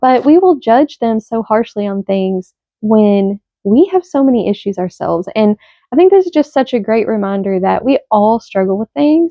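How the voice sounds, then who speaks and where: With a Southern US accent, a woman speaks at fairly high pitch and a moderate pace. Her pitch swings very widely. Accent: Southern US country. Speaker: crochet vlogger. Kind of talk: casual chat.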